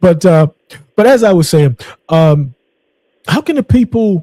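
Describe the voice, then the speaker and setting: In a dry, close recording with no echo, a man with an American accent speaks at a moderate pace in a dark, mellow, somewhat breathy voice whose pitch swings very widely. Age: 50s. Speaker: podcast host. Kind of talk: casual interview chat. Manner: halting, many repetitions.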